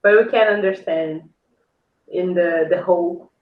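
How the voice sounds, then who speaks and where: A woman's voice: lowish voice, steady tone, a little slow. A woman with a Brazilian Portuguese accent speaking English as a second language, chatting as an interview guest. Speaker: podcast guest, house-building company founder. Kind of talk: casual interview conversation. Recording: roomy echo, dull lo-fi call audio.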